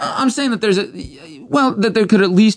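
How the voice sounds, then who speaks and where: Dry, close sound with no echo from a man with an American accent, against a quiet background. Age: 40s. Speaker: musician and comic book artist. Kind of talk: casual interview. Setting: guest's apartment. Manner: halting.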